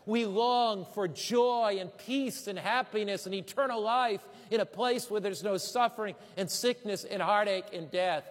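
A man preaching a sermon, dramatic, slowing for emphasis and repeating phrases. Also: high voice, in a large hall.

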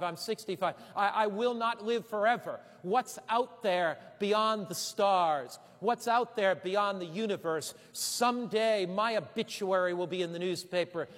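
A man preaching a sermon, asking rhetorical questions and stressing words with slow emphatic phrasing. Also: high voice, long reverb tail. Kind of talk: sermon with travel slides.

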